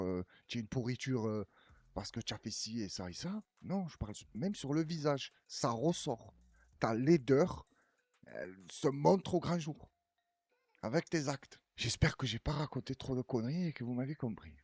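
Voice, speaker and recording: A man's voice: on the low side, husky, dry recording. A man casually rambling through a reaction commentary, chatty and laughing often. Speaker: news commentary host.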